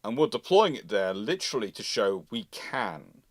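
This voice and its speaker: A British man hosting a live question-and-answer talk, explaining things with halting restarts and emphatic repetition. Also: on the low side, very animated, no echo, studio quality. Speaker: host answering audience questions. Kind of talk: live Q&A, explanatory commentary on naval matters.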